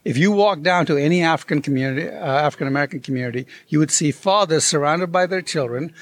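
Interviewed at a convention, a male guest author with a slightly high voice talks quickly through an anecdote. His delivery is animated, and he acts out the dialogue he quotes.

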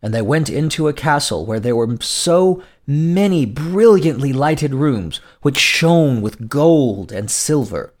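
A man narrating as a storyteller in a gothic, theatrical fairy-tale style, with dramatic, deliberate phrasing. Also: medium pitch, lively intonation. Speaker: storyteller, host.

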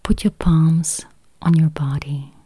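Slow whispering woman meditation guide. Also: low-pitched, fairly even intonation, slightly rough. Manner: slow, soft, repetitive counting.

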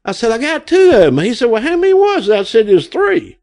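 A man's voice: very high-pitched, huge pitch swings, a little fast, a little mellow. A man in his sixties from Arkansas, with an Arkansas accent, telling rambling folksy stories as an interview guest and acting out the voices of people he quotes. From Arkansas, USA. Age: 60s. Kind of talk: casual storytelling.

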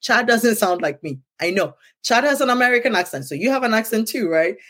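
A woman's voice: a little high, expressive, brisk, fairly bright tone. A middle-aged woman with a Ghanaian accent, hosting a casual conversation in an earnest tone and often checking in with "right?". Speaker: podcast host.

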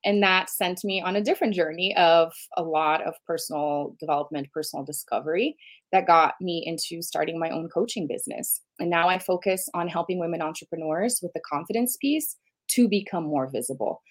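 A Brazilian businesswoman coach, guesting on a podcast, talks eagerly and at length in a fairly low, brisk voice. She laughs often throughout this conversational interview.

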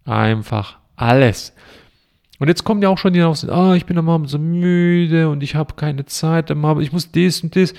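A man's voice: mid-range voice, creaky, darkish tone. A man speaking a monologue to camera as a self-help speaker. He preaches and fires off long strings of rhetorical questions.

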